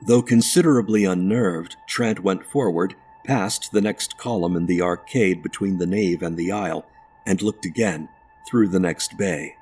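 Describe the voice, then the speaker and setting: A man narrating a ghost story audiobook in a measured, deliberate way. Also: low voice, darkish tone, slightly rough.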